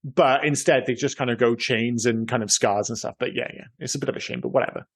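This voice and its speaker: A man's voice: medium pitch, steady tone, quick pace, gravelly. A British man co-hosting a film podcast, chatting loosely and rambling, with casual swearing. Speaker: podcast co-host.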